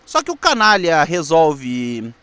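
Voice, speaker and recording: A man's voice: fairly high pitch, huge pitch swings, slow pace, pushed and bright, clear, resonant tone, no echo. A man with a Brazilian accent presenting in an explanatory, semi-scripted narration, with occasional stumbles. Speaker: presenter of a weekly history channel.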